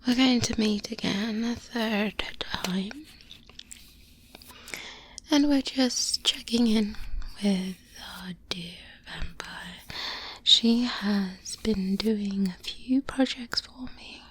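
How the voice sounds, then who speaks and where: A woman playing a seasoned, secretive vampire hunter in an ASMR roleplay, in a hushed, breathy whisper with many pauses, close to the microphone. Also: a little high. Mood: wry, confiding. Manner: slow, hushed, confiding, pausing often. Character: seasoned female vampire hunter mentor, secretive, wry, pragmatic. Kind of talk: soft-spoken ASMR roleplay. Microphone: close binaural microphone. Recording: close-up binaural mic, light background noise.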